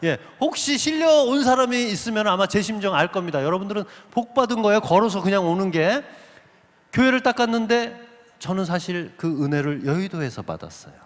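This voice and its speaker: A man with a high voice gives a vivid testimony before a church congregation. His pitch swings widely as he acts out voices and questions his listeners. His voice rings out with the long reverb of a big sanctuary. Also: brisk. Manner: lively storyteller who acts out quoted voices and asks the audience questions. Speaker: guest speaker giving a testimony. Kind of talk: animated testimony talk to a congregation.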